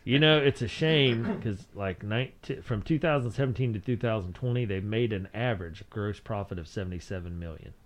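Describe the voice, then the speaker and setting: Male co-host, somewhat deep pitch, wry and exasperated for effect, loose conversational banter. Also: a little fast, hardly any pauses, a little hiss or hum. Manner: sarcastic, mock-exasperated. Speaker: podcast co-host. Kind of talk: casual chat, banter.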